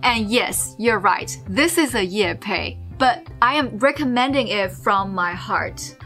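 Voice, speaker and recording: A woman's voice: medium pitch, animated, a little slow, pushed and bright. Young woman host: earnest, encouraging, mid-range voice, faint music underneath. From Taiwan. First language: Mandarin. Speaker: host and English learner. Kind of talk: casual interview then talk to camera.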